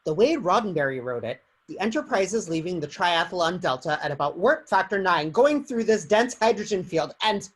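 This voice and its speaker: Woman acting a husky, animated nerd. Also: on the low side, normal speed, few pauses, rough recording. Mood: pedantic. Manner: pedantic. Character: know-it-all sci-fi nerd correcting others. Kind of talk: amateur screenplay table read.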